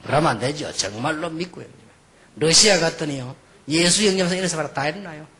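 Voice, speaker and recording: A middle-aged male preacher with a high, lively voice that rises and falls widely. There is a slight husky edge to his tone. He tells anecdotes, dropping into quiet asides and then pressing his point with emphatic bursts. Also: quick pace. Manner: animated storytelling, mixes quiet asides with emphatic outbursts. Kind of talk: sermon with anecdotes.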